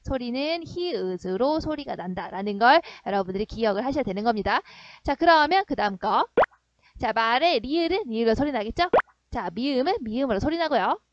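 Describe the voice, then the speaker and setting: A woman's voice: on the high side, animated, brisk, no echo, lo-fi sound. Dry-sounding woman teaching grammar. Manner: explains step by step with frequent check-in questions. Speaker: middle school Korean teacher. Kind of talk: online grammar lesson.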